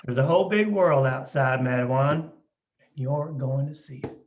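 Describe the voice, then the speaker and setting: A man's voice: mid-range voice, close to an everyday voice. Man playing a folksy young miner dad, muffled. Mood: proud, encouraging. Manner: folksy rural dialect, unhurried. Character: tender, doting mid-twenties coal miner father. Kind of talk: script table read.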